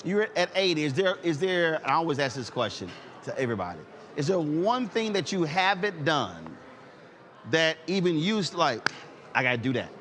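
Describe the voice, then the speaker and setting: A man in his fifties hosting an interview, telling stories in an animated way and repeating "I said" as he acts out conversations. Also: fairly high pitch, moderate pace. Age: 50s. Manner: animated storyteller, repeats "I said" while acting out exchanges. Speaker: host. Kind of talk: casual interview chat.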